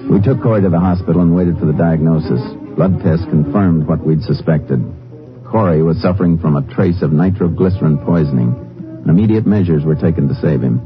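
1950s radio western lead: male actor as businesslike Ranger, deep, matter-of-fact, muffled vintage sound. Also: a little fast, lightly acted. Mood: grave, assured. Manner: terse, matter-of-fact questioning. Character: steady, businesslike male Texas Ranger investigator. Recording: dull old radio recording with music.

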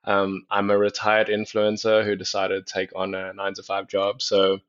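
A man in his thirties from South Africa, a podcast guest chatting casually about himself, relaxed and laughing now and then. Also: fairly low pitch, moderate pace, smooth. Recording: dull lo-fi sound.

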